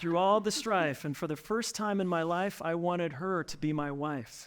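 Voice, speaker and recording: Here is a man with an unremarkable speaking voice, pitched fairly high with ordinary variation. He talks at a fairly slow pace in a very clean recording with a silent background. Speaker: relationship coach. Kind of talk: spoken word poetry performance.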